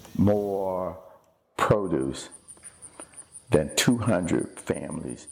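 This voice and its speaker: Speaking very slowly in a very deep, low pitch, a man uses lively intonation with long, frequent pauses. Audible room echo surrounds his voice. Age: 60s. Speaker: pastor. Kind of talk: documentary interview.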